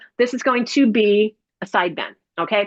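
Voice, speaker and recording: A woman's voice with an upbeat tone. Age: 60s. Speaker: fitness trainer and show host. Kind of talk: live stream fitness show with guided stretch. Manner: upbeat, encouraging.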